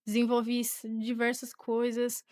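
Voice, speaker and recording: High-voiced teenage Brazilian-accented woman. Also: completely flat delivery, a little slow, a little mellow, dry recording, studio quality. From Portugal, born to a Brazilian family. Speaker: podcast guest, young church singer. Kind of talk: personal testimony in conversation.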